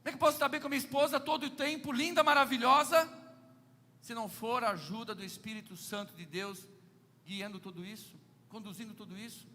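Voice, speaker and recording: A man's voice: extremely high pitch, fast talker, pushed and bright, big-room sound. A middle-aged man with a Brazilian Portuguese accent preaching a sermon, telling playful anecdotes and turning often to the congregation. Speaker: pastor.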